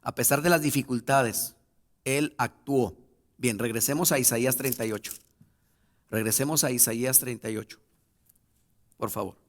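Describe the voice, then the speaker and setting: A man's voice: mid-range voice, moderate pace, pauses often. Man preaching with rising, emphatic force. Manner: reads scripture aloud, then rises to loud, emphatic preaching; addresses the congregation directly as brothers. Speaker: pastor. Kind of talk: sermon.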